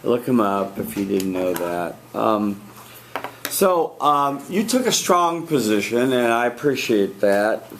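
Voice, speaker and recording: A man's voice: on the low side, expressive, takes it slowly, low-quality recording. A man teaching a speech class, giving spoken feedback in a loose, conversational way with fillers and restarts. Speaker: speech instructor.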